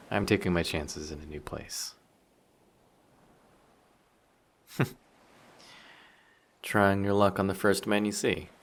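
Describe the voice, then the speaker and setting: A man's voice: sits low, gravelly, a bit bright, exaggerated voice. A man playing a handsome, vain, flirty sea monster posing as a passenger in a roleplay audio drama, with a polite, formal, teasing and self-assured manner. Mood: guarded, wry, then amused, flirty.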